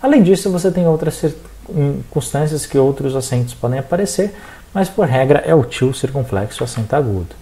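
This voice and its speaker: A Brazilian teacher with a Brazilian accent leads a recorded exam-prep lesson, speaking directly to the students and often checking that they follow. The voice is mellow and darker in tone. The pitch rises and falls a lot, keeping the explanation lively. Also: normal speed. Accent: Brazilian Portuguese. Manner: animated, addresses students directly, checks in with frequent "tá?".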